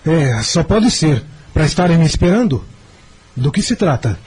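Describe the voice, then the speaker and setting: A man's voice: fairly high pitch, sing-song, normal speed, a little mellow, husky, heavily acted. A young man playing a reluctant, evasive but dutiful son in a radio drama, with a Brazilian accent. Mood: weary, uneasy. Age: young adult.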